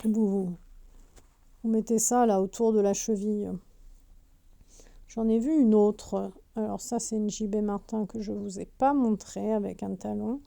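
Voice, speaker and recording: A woman's voice: medium pitch, steady tone, measured pace, creaky, warm tone. A woman giving casual shopping vlog commentary in a discount store, chatty and full of fillers, with a slightly sore throat from wearing a mask. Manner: chatty, fills with "euh" and "hein", reads prices aloud. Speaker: vlogger showing a discount store shoe display. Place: inside a large discount store.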